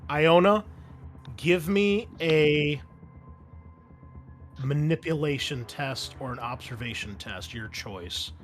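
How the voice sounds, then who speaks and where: Guy gm-ing a tabletop rpg, voice a bit high, casual explaining, swears freely. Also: slow, pauses often, soft background music. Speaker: game master. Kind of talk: narrating a tabletop roleplaying game.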